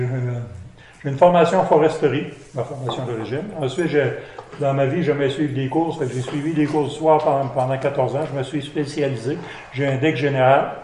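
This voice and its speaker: A man's voice: mid-range voice, darkish tone, slight background noise. A man in his sixties with a Quebec French accent, listing his background in a hesitant self-introduction as a candidate. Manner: list-like, hesitant, with filler pauses. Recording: echoey room.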